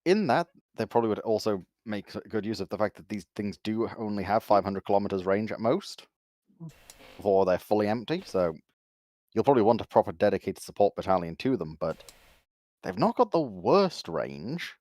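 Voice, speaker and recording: Lowish-voiced man in dry sound. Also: lively intonation, normal speed, a little mellow, no room sound. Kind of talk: casual technical chat.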